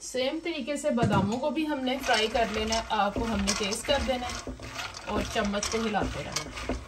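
A woman's voice: a little high, normal speed. A woman hosting a cooking video in her home kitchen, chatting through each step as she cooks. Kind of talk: casual cooking demonstration. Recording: distant mic with noisy kitchen background.

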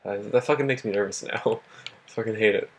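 Husky young man swearing through gameplay. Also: fairly low pitch, fast talker. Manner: swears a lot, laughs often, talks to himself. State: losing his voice. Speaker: gameplay commentator. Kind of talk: casual gameplay commentary. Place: home at night.

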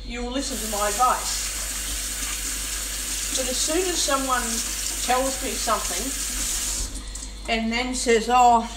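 Woman, higher-pitched, exasperated casual venting while eating; distant, slightly noisy recording. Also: unhurried, long pauses. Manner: talking while eating, mouth sometimes full; exasperated, complaining. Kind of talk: venting monologue, casual spoken vlog. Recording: roomy, noisy, far from the mic.

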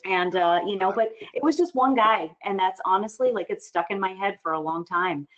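A woman's voice: mid-range voice, moderate pace, a bit bright, muffled recording. Nasal woman, candid and laughing. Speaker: voiceover coach. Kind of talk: casual webinar chat.

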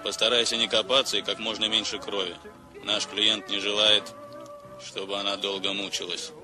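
An actor playing a cold-blooded criminal boss who gives murder orders in a calm, measured, businesslike way, in a 1970s radio play. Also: male voice, lowish voice, close to an everyday voice. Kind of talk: 1970s radio drama acting. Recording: old radio play with music behind.

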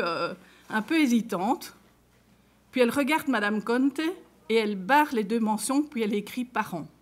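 A woman with a Belgian French accent giving a conference talk, speaking conversationally to the audience and reading example cases aloud. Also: medium pitch. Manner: conversational, addresses listeners directly and reads case examples aloud. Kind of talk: lecture to a live audience.

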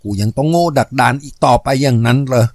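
A man's voice: medium pitch, fast talker, a little mellow, no echo, clean studio sound, lightly acted. A man voicing a scheming, lustful gangster boss in a spoken novel, sly and complaining. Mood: resentful.

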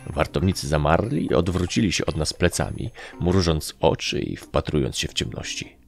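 A man narrating a story in a deep, gravelly voice. His pitch swings widely as he reads, and he pushes his voice up for the characters. Faint music plays under the reading. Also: moderate pace. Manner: lively storytelling, shifts into raised voices for characters. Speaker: audiobook narrator. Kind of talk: dramatic audiobook reading with acted voices.

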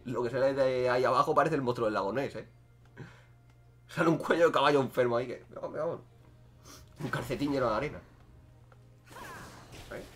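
A young man talks over his gameplay in a casual, joking way. His voice sits a touch high for a man and leaps around a lot, from loud sudden outbursts down to quiet muttering asides. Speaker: gaming streamer.

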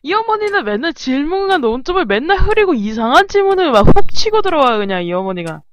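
A woman streamer giving animated, exasperated let's-play commentary on a close mic. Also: high-pitched, fast talker, a little hiss or hum.

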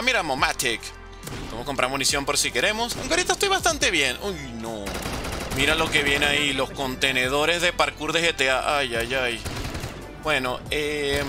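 A young man doing animated gameplay commentary, talking straight to his viewers. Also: on the high side. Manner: animated, excitable, talks to viewers. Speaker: gaming YouTuber. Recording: game music behind voice.

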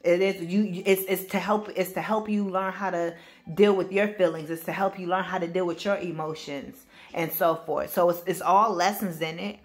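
A woman with AAVE speech giving a spiritual reading to camera, loud and powerful, blunt and emphatic, cursing freely and restarting her sentences. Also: lowish voice, steady tone, normal speed. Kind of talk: casual spoken reading to camera.

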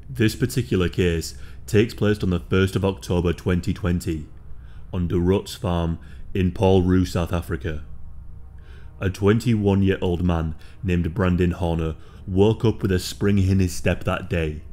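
Low-voiced man narrating true crime. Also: steady tone, measured pace, dark tone.

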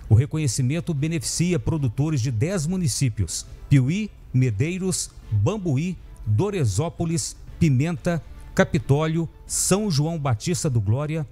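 A man in his thirties presenting radio news in a studio, reading in a steady, measured way. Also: fairly high pitch, slightly rough, faint music behind. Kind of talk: read news report. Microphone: studio mic on a boom.

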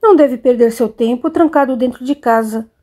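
A worried, gentle mother in an audiobook, voiced by a woman reader, coaxing and questioning softly in a somewhat high, mellow voice. She sounds caring and persistent. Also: normal speed, lightly acted.

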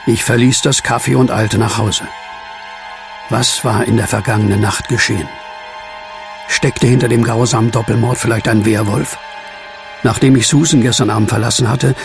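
An actor playing a brooding man who narrates his own horror story in an earnest, measured way. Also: on the low side, vocal fry. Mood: horrified brooding. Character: brooding male narrator, former asylum patient fearing werewolves. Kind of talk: first-person horror audio drama narration.

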